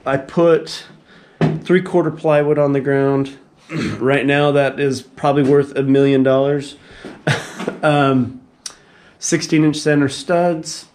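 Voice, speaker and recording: Brief: man, mid-pitch, casual DIY tour, rambly, throat-clearing, faint hiss behind. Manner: rambling, self-correcting, frequent throat clearing. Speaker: homeowner giving a house tour. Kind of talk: casual handheld tour narration.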